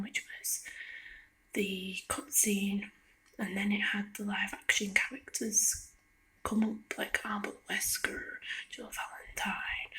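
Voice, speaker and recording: A woman giving a soft-spoken ASMR ramble in a hushed, hesitant whisper, meandering as she goes. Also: medium pitch. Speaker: video creator. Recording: lo-fi close whispering.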